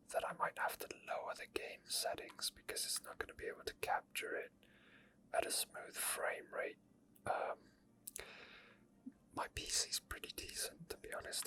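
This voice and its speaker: A person whispering quiet, unscripted ASMR gameplay commentary in a breathy voice, unhurried and rambling, close to the microphone. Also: low-quality recording. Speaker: video game streamer making ASMR. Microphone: microphone tucked under a hoodie, close to the mouth.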